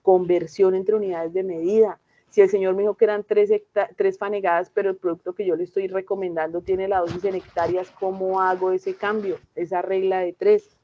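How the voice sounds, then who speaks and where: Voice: mid-range voice, level tone, fairly quick, hardly any pauses. Colombian instructor, chatty lecture style, video call, somewhat muffled audio. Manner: conversational, checks in with frequent "right?" tags. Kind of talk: online class lecture.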